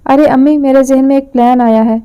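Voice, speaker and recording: A woman's voice: high voice, fairly even intonation, clear, resonant tone, muffled recording, lightly acted. A woman reading an audio novel, voicing a sly young man who coaxes and teases. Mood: scheming.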